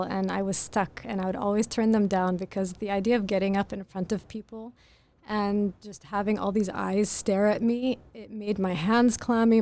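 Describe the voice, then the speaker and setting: Soft-voiced woman author being interviewed. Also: mid-range voice. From grew up in Greece. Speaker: author guest. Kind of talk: podcast interview.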